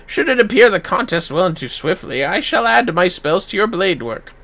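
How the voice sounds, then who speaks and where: A man voicing a courteous, eloquent warrior-mentor from a fantasy game, measured and grand in archaic phrases. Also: high-pitched, big pitch swings, bright, forceful tone, exaggerated voice.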